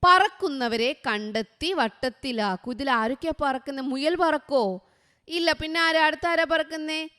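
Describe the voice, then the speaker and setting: A woman tutoring first graders, asking short questions again and again in an unhurried, clear way. Her voice is high and bright. A long reverb from the room trails behind her words. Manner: quizzes with short repeated questions, slow and clear. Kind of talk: exam revision lesson for young children.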